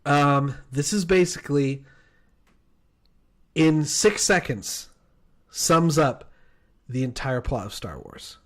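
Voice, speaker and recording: A man co-hosting a podcast in casual chat, excitable and quick to laugh. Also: fairly high pitch. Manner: excitable, gushing, laughs easily. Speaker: podcast co-host.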